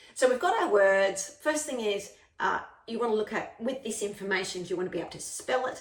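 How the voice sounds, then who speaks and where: Amid noticeable background noise and audible room echo, a woman with a medium pitch talks at a very fast pace with lively intonation. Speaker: memory techniques teacher. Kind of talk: tutorial. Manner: casual, filler-heavy (uh, um).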